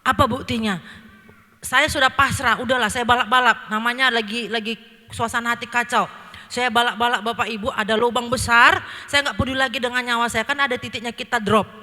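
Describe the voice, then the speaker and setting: A woman's voice: on the high side, steady tone, brisk. A woman giving an earnest, emotional testimony at a worship service and addressing the congregation. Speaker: church member giving testimony. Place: church hall. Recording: long church-hall reverb with loud music. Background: loud worship music.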